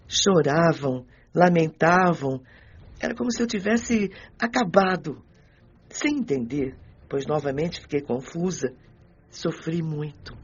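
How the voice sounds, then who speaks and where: Man as a husky, anguished teenage girl spirit. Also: fairly high pitch, exaggerated voice. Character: anguished sixteen-year-old girl's spirit, devout and fearful. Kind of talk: dramatized audiobook monologue. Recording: dull lo-fi audio with music underneath.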